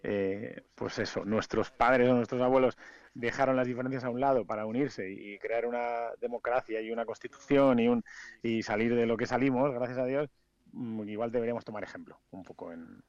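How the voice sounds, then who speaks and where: A man's voice: mid-range voice, fairly even intonation, a little fast, no room sound, highs cut off. A man from Spain with a Spain Spanish accent, a DJ guest talking casually and frankly in a radio interview, trailing off into fillers.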